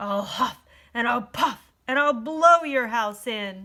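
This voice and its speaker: Growling in a put-on character voice with a menacing tone, a woman speaks high-pitched and at a fairly slow pace in a very clean recording with a silent background. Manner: snarling, menacing.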